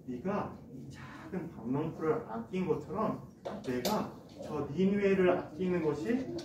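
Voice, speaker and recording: A man voicing a slow, gentle God. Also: fairly high pitch, muffled recording. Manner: slow, soft and calm. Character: gentle patient God, speaking to a prophet. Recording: echoey church hall from far off, background noise.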